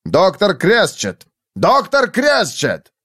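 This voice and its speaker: Guy doing a loud pompous showman, high and booming, audiobook. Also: huge pitch swings, slow pace, dry recording, clean studio sound, heavily acted. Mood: excited. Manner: pompous, bellowing. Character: flamboyant rich male showman, pompous and loud.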